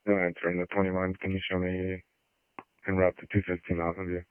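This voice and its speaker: A man's voice: low-pitched, monotone, a little fast, clear, resonant tone, dry recording. A man speaking over a police radio as an officer, clipped and businesslike, in terse radio codes. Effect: police radio transmission. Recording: tinny police radio channel.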